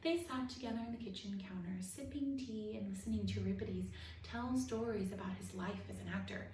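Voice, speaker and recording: A woman's voice: mid-range voice, a little fast, a little mellow. A woman narrating a children's picture book expressively as a storytime reader. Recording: roomy echo, distant mic, faint noise.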